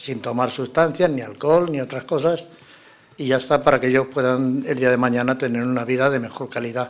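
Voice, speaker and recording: At a moderate pace, a man talks at a medium pitch. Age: 60s. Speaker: addiction support volunteer, recovering alcoholic. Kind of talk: radio talk show interview.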